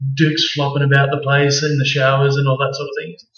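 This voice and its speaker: A man with a New Zealand accent speaks at a fairly high pitch. His intonation is monotone and flat. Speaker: podcast host. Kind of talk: casual interview. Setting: home recording.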